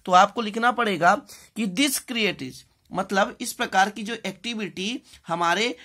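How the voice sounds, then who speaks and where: An Indian-accented woman gives an English lesson at a very unhurried pace. Her pitch is middling for a woman. She is deliberate, repeating and translating phrases as she goes. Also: a bit bright. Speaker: English grammar teacher. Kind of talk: bilingual classroom lesson, translating and spelling out words.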